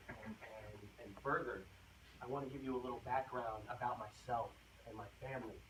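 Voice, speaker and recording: A man with an American accent at a moderate pace and medium pitch, fairly even intonation, long, frequent pauses and audible room echo. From Colorado, US. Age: 20s. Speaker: activist speaker. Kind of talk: public talk. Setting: school hall with audience.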